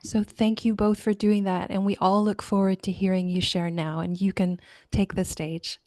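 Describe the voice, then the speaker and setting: A woman hosts a webinar over a video call, introducing speakers in a measured way. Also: medium pitch, level tone, darkish tone, no room sound. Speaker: webinar host.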